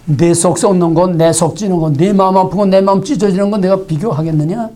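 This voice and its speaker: A preacher voicing God as a grieving husband. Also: male voice, high-pitched, quick pace, warm tone, lightly acted. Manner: stern rebuke, then lamenting repetition.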